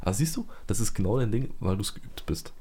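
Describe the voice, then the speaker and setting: A man's voice: fairly low pitch, animated, fairly quick, mellow, husky. A man co-hosting a podcast in casual chat, dry and matter-of-fact with drily joking remarks. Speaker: podcast co-host.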